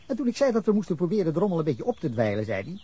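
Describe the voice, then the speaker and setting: A man's voice: fairly high pitch, big pitch swings, very fast, mellow, slightly rough, full character voice. An actor playing a defensive middle-aged man giving police an angry, rambling account of a drunken fight, in a radio drama. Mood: indignant. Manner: indignant, rambling account with bursts of anger. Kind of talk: Dutch radio drama acting.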